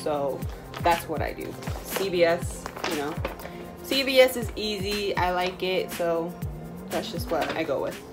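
A woman's voice: on the low side, animated, measured pace, over music. A young woman with a Native American reservation accent, talking in a casual, informal, rambling vlog style. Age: young adult. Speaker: vlogger. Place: small room indoors.

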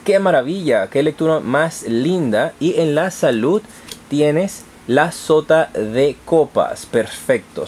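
Addressing his audience warmly and encouragingly, a tarot reader presents a casual horoscope on his channel. His voice is fairly high in pitch with a darkish tone.

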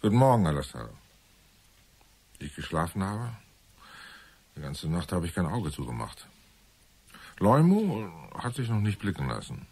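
Husky, low-voiced police inspector. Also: male voice, very animated, normal speed, pauses often, a little mellow, heavily acted. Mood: tired, matter-of-fact. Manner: authoritative, blunt questioning. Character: weary, stern male police inspector in charge. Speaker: actor in a radio play. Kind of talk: German radio drama acting.

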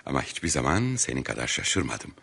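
An actor playing a tough, commanding and mocking police inspector in a Turkish radio drama. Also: male voice, rumbling low, sing-song, brisk, creaky, bright, forceful tone, breathy edge, heavily acted. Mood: businesslike, probing.

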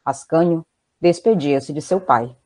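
A woman's voice: low voice, a little slow, darkish tone, slight background noise. A woman with a Brazilian accent narrating a scripted comic story.

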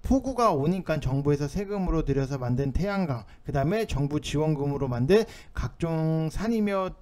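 The host's voice is a little high and dark in tone. He's giving informal stock market commentary over on-screen notes, explaining things with an insistent edge and some urgency.

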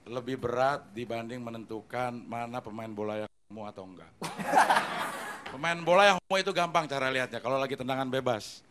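Speaking fairly quickly at medium pitch, a middle-aged host jokes and teases comics during a stand-up comedy show. The setting is a TV studio stage with a live audience, and his handheld mic picks up loud laughter and music in the background.

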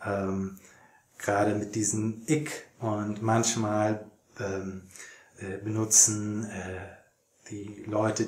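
Young guy teaching german, talks super slow, lots of ums, roomy echo. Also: on the low side. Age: young adult. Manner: very slow and deliberate, many fillers, animated reading. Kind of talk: slow, clear teaching for learners. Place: small plain room indoors. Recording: roomy echoey room.

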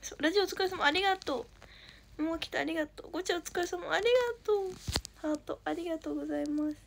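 A woman's voice: very high-pitched, steady tone, fast talker, gravelly, background noise. A young woman, sleepless after no night's rest, chatting casually on a phone livestream, thanking viewers in a chirpy voice and sometimes whispering. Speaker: idol trainee livestreamer. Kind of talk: casual livestream chat reading viewer comments. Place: indoors at home.

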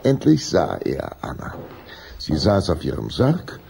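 A man narrating a children's radio play as a measured, solemn storyteller with a raspy voice. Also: very deep voice, wildly swooping pitch, background noise, exaggerated voice. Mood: measured, eerie. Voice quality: raspy, gravelly.

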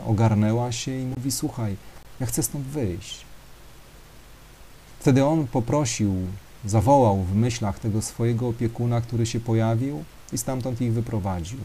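A man's voice: medium pitch, warm tone, slight background noise. A man telling a story to an audience, talking hesitantly with fillers and speaking directly to his listeners.

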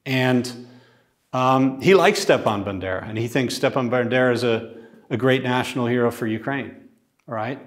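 A man's voice: mid-range voice, normal speed. Man lecturing casually in a classroom. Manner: conversational, animated, gestures while talking. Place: classroom with a wall screen.

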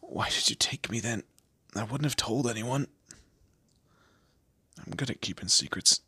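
Slow, husky man acting a wry, weary guy. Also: medium pitch, pushed and bright, dry recording, heavily acted. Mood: resigned, uneasy. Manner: hesitant, halting, sardonic. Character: weary, wry young man kidnapped by a mob boss. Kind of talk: first-person roleplay audio drama, conversational.

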